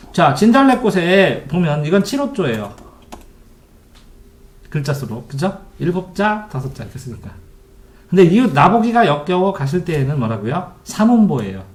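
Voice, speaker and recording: A middle-aged man tutoring Korean literature online, explaining terms and quizzing his students with repeated questions. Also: fairly high pitch. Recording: echoey room, keyboard typing behind.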